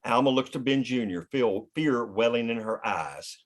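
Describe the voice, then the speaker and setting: A man serves as narrator at a screenplay table read. He reads scene headings and action lines in a scripted narration style, at an average male pitch. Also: lively intonation, normal speed. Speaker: stage-direction narrator.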